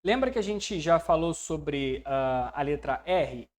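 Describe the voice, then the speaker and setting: Patient Brazilian English teacher drilling numbers. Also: male voice, fairly high pitch, lively intonation, unhurried. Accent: Brazilian Portuguese. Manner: patient, often checks in with the learner; voices learners' questions to himself. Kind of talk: online language lesson.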